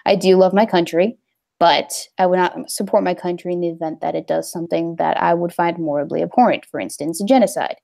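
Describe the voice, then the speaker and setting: A woman's voice: lowish voice, fairly even intonation, fairly quick, gravelly, dark tone. A young woman hosting a casual livestream, talking in a rambling, hesitant way with many fillers. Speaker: livestream host.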